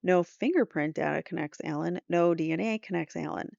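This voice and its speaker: A middle-aged woman with a noticeably creaky, mid-pitched voice gives a recap of a trial, reading updates aloud and breaking off for casual asides. The sound is dry and close, if a little dull. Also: brisk, darkish tone, no echo.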